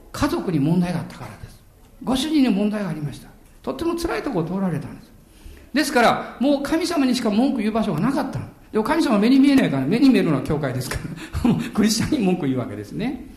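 An older man preaching in an echoey room. His voice sits high and swings widely in pitch as he tells stories with dramatic pauses and the odd chuckle. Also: a little mellow. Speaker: pastor. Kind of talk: sermon.

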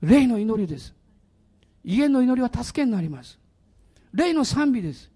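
A middle-aged man, a pastor, preaching a sermon in an animated way, with laughing asides to the congregation. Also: very high-pitched, moderate pace, husky.

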